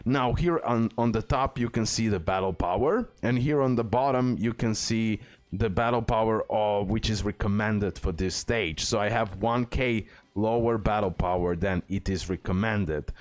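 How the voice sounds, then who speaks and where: Speaking at a moderate pace with a fairly low pitch, a man hosts a casual video game tutorial as a guide. His English has non-native phrasing, and he tends to repeat himself.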